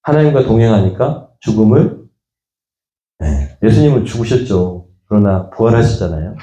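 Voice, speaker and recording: Lively, mellow-voiced man preaching. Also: moderate pace, dull audio, a little hiss or hum. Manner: conversational preaching, acting out quoted voices with rising pitch. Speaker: pastor. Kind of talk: sermon. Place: church sanctuary. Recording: echoey church room.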